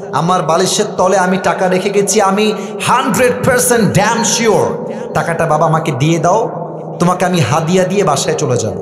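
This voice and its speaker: A Bangladeshi male preacher tells a story in a high voice that rings with long reverb. His delivery is dramatic, slipping into dialogue and the odd English phrase, as in a sermon. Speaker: Islamic preacher. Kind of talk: sermon-style anecdote telling. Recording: echoey hall with long reverb.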